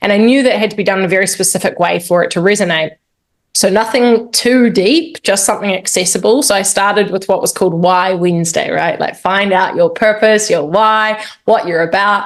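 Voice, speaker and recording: A New Zealand accent at a fairly quick pace, with very even loudness. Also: woman, medium pitch for a woman, ordinary pitch variation. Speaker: speaking coach. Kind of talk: interview.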